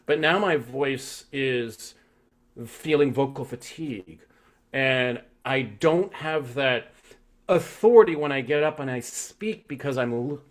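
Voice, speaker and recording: Male vocal coach, unhurried and a little high-voiced, teaching live online, checks in with "right?".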